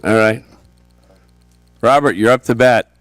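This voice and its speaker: A man's voice: mid-range voice, measured pace, fairly bright tone, no echo, soft background music. A man chairing a town council meeting as mayor, speaking casually and briefly.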